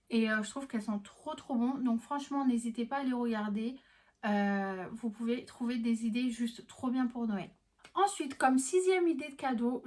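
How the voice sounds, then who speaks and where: A woman's voice: on the high side, darkish tone. A young woman vlogging casually, chatty and enthusiastic, with many fillers and restarts. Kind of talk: casual gift-guide vlog.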